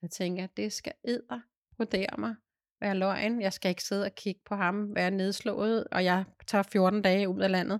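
Fairly even intonation from a woman, medium in pitch and fairly slow in pace. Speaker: podcast host and coach. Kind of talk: interview conversation. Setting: remote interview.

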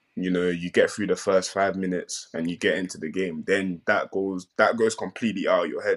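In a London accent, a man speaks at a moderate pace on a very clean recording with a silent background. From South London. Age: 20s. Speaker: professional footballer. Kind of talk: interview.

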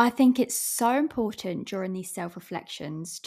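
A woman with a slight Australian accent speaks at medium pitch with lively intonation. The recording is very clean, with a silent background. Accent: English with slight Australian twang. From England. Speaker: occupational therapist podcast host. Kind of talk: solo podcast monologue.

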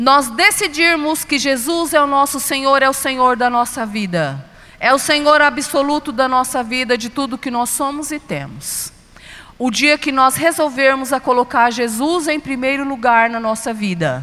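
A woman with a Brazilian accent speaks in a high, raised and projected voice. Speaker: lay preacher leading a prayer group. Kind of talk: sermon and guided prayer. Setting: prayer group, streamed online. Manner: fervent, exhorting, leading call-and-response prayer.

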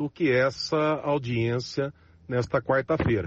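A man with a plain, everyday voice talks at a fairly slow pace. His pitch is fairly high, with ordinary pitch variation. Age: 40s. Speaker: city councillor. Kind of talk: news interview.

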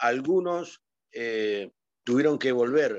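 In a Rioplatense accent, a man speaks at a medium pitch with ordinary pitch variation against a quiet background. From Argentina, Buenos Aires south zone (Isla Maciel, Avellaneda). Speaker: war veteran. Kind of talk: testimony. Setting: video call.

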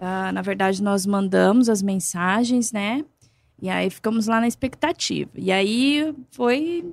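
In a Brazilian accent, a woman speaks at a very slow pace with a medium pitch and lively intonation. The recording is very clean, with a silent background. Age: 30s. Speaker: church member and preacher, trained teacher. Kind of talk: radio interview.

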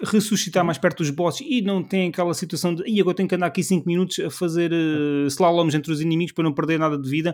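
On a very clean recording with a silent background, a man with a high pitch races along at a very fast pace with hardly any pauses and fairly even intonation. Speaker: gaming podcast host. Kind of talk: casual chat.

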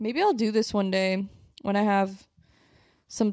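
At a moderate speed, someone with an American accent talks in an unremarkable speaking voice, on a very clean recording with a silent background. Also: woman, dry, close sound with no echo. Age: 20s. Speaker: fitness podcaster. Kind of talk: casual solo chat. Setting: home recording with microphone. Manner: casual, filler-heavy.

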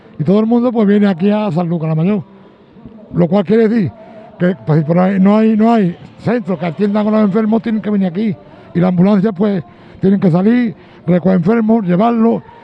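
Speaking at a fairly quick pace with long, frequent pauses, a man uses a high pitch, ordinary pitch variation and very even loudness over noticeable background noise. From Andalusia, Seville province. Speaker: local resident. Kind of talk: street interview.

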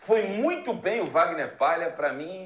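Audible room echo surrounds a man as he talks. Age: 40s. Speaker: sports show host. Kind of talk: sports talk show. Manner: animated; loud, shouting.

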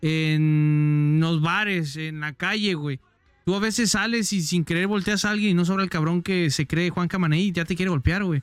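A man with a Mexican accent and a high pitch, moderate in pace with ordinary pitch variation, music in the background. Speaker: podcast host. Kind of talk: casual chat.

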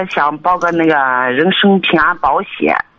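This woman has a very deep, low pitch. Her pitch variation is ordinary. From Gansu, China. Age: 40s. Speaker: caller, widowed migrant worker. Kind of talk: phone-in advice call. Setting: phone call.

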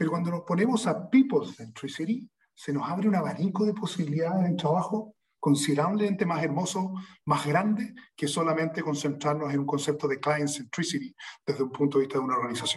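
A man's high-pitched voice at a fairly quick pace, full of lively intonation. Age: 50s. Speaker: business consultant. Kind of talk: interview. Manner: halting, with frequent repetitions.

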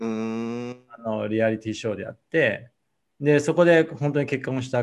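With an ordinary speaking voice, a man talks at a medium pitch with ordinary pitch variation and big swings in loudness. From Taiwan. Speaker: serial entrepreneur and podcast co-host. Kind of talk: casual chat.

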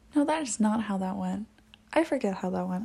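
A woman's somewhat breathy, dark, mellow voice at medium pitch, with ordinary pitch variation. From Nova Scotia, Canada (Kentville). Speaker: podcast host, college student. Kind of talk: casual monologue.

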